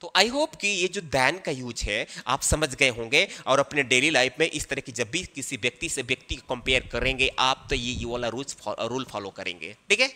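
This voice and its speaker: A man's voice: medium pitch, moderate pace, hardly any pauses, pushed and bright. A man teaching an English grammar lesson. He explains patiently step by step and keeps checking that the listener is following. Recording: long reverb.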